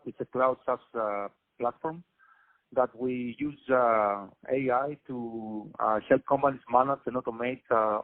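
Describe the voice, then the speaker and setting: A man with a Greek accent who explains things slowly, pausing often on "uh". He sounds dry and tinny, as if he is on a phone call. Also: medium pitch, dry recording. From Greece. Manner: hesitant, many "uh" fillers, explanatory. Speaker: guest, tech company CEO. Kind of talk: interview answers.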